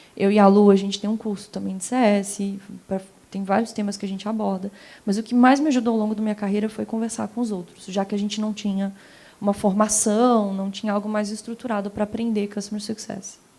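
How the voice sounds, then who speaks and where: This woman speaks at a fairly quick pace in a medium pitch, with monotone, flat intonation. Her tone is dark and mellow, and somewhat breathy. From Minas Gerais, Belo Horizonte. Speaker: customer success professional, lecture speaker. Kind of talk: audience Q&A answer.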